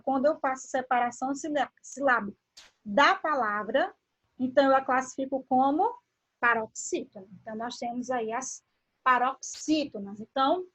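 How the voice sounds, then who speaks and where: A woman teacher from Brazil, giving a grammar lesson. She draws words out slowly and asks the class questions as she explains. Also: high voice. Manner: slow, drawn-out word pronunciation with questions to the class.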